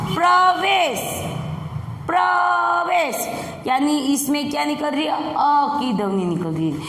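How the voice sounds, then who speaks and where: A woman teaching Hindi to young children in an online class, coaxing them along and stretching out words slowly, with a Rajasthani Hindi accent. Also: sits high, slight background noise. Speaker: primary school Hindi teacher. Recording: echoey room with long reverb.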